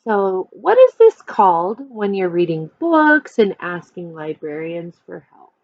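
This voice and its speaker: A woman's voice: on the low side, big pitch swings, unhurried, no room sound, lo-fi sound. A woman teacher reading a children's picture book aloud expressively, stopping to explain and put questions to young listeners.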